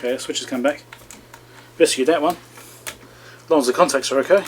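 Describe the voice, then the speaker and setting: A man with a mid-range voice runs an electronics repair channel, talking fast with background noise behind him. He casually narrates the repair to himself as he works, dropping chatty asides to viewers.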